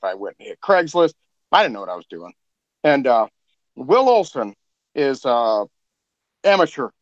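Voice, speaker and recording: A man's voice: mid-range voice, no room sound, highs cut off. A man on a podcast talking casually about a production, rambling and full of fillers as he praises the cast. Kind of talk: casual behind-the-scenes chat.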